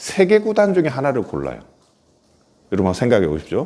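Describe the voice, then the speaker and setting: Very wide pitch swings in a dark, mellow tone with vocal fry. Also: man. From South Korea, Busan. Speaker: politician and former business executive. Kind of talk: lecture.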